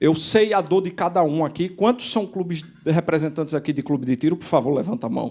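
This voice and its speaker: Lively intonation and an animated tone mark this voice in a northeastern Brazilian accent. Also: man. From Brazilian Northeast, Alagoas (Maceió). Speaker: sport shooting federation president and lawyer. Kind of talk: speech at public hearing. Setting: legislative assembly hearing with audience.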